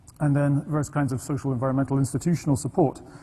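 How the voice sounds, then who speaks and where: A man talks at a very fast pace. His voice has a dark, mellow tone and is somewhat breathy. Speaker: futurist and philosopher speaker. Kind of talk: conference talk. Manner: hesitant with fillers.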